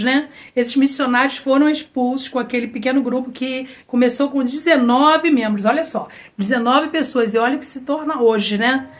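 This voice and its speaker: A Brazilian Portuguese-speaking woman teaching a church Bible lesson in a conversational way, with frequent fillers and restarts. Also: high voice. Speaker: Sunday school teacher.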